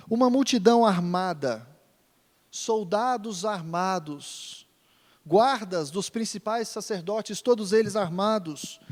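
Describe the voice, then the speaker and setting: Brazilian preacher with emphatic, echoing delivery. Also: male voice, high voice, a little mellow. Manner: emphatic, repeats phrases for stress. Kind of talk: expository sermon. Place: church hall. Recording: long church reverb.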